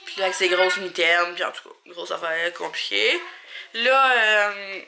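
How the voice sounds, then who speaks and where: A woman's voice: fairly low pitch, steady tone, unhurried, vocal fry, sharp tone, a little hiss or hum. A young woman with a Quebec French accent and a stuffed-up nose, chatting casually and thinking aloud in a vlog at home. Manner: rambling, informal, thinking aloud. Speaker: vlogger and mother. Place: indoors at home.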